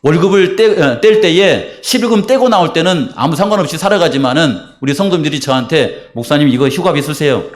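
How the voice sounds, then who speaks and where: A man's voice: fairly high pitch, a little fast, few pauses. Man, pastor, sermon, rising and falling voice, quiz-style questions to the congregation. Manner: lively, asks the congregation questions and answers them himself. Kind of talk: sermon and baptism rite. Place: church sanctuary.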